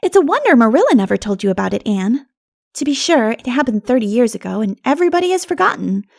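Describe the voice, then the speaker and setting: A woman voicing a lively, gossipy country girl who tells local tales in an audiobook. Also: a little high, fast talker, vocal fry, heavily acted. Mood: eager, chatty. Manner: animated, gossipy.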